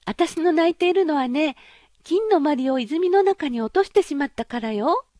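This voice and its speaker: A spoiled young princess with a high, girlish voice, pleading one moment and haughty the next, as a woman narrator puts her on. She sounds like a character from a storybook audiobook, set in a dry, close room with no echo. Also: expressive, moderate pace, mellow. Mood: tearful. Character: pampered young princess, tearful and petulant.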